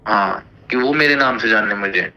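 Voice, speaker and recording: A man's voice: lowish voice, moderate pace. A man with a North Indian accent chatting casually and recounting gossip on a recorded phone call.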